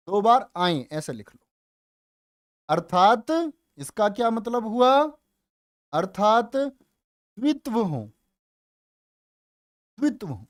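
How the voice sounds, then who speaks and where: A man's voice: high-pitched, dry recording, clean studio sound. A man teaching a grammar class online, coaxing and repeating questions to his students. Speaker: Hindi teacher.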